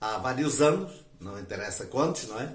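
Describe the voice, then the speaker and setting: A man speaks with lively intonation. There is audible echo in the room. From Portugal. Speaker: DIY video maker. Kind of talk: tutorial. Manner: conversational.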